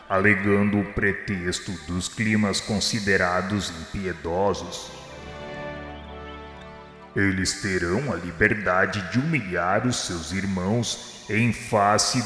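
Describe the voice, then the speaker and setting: An actor playing Jesus in a radio drama as a grave, merciful divine master, speaking in measured, formal oratory. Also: male voice, sits low, a bit bright. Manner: measured, solemn, preaching declamation. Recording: echoey reverberant hall sound, music underneath. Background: music.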